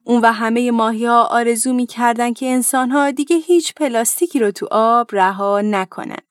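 A woman hosting a children's program, gently narrating a storybook tale and speaking to parents. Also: on the high side, dry recording, studio quality.

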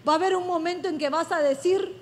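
A woman's voice: very high voice, quick pace. A woman pastor giving an effusive, emphatic sermon. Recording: long hall reverb.

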